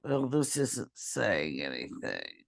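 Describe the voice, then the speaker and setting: Hoarse woman giving a slow tutorial. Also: rumbling low, wildly swooping pitch. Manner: slow, halting, clears throat often, apologetic. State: losing her voice, hoarse and whispery. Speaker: college librarian or instructor. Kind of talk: screen-share tutorial for a student.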